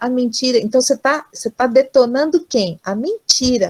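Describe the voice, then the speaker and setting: The woman's voice sits fairly high, with ordinary pitch variation. The sound is dry and close, with no echo. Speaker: pastor and psychologist. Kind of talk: online lecture. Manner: animated.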